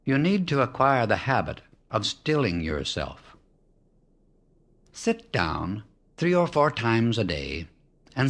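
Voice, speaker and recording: A man reading a spiritual book aloud as an audiobook narrator, in a measured, emphatic way that slows down on key words. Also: mid-range voice, fairly bright tone. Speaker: audiobook reader. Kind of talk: solemn scripted reading of spiritual teachings.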